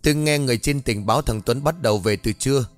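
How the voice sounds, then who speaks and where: A man voicing a sly older master of the house who gives calm, cold orders, in a spoken ghost story. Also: medium pitch, fast talker, faint music behind, close to an everyday voice. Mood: cold calculating. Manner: calm, commanding, pretending concern.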